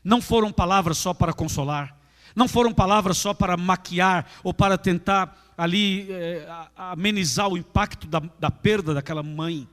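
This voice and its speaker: A man's voice: high voice, normal speed, fairly bright tone. A Brazilian man preaching a sermon as pastor, emphatic and repetitive, speaking straight to his congregation in a large church. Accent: Brazilian Portuguese. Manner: emphatic, repetitive preaching, addresses listeners directly. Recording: echoey church hall.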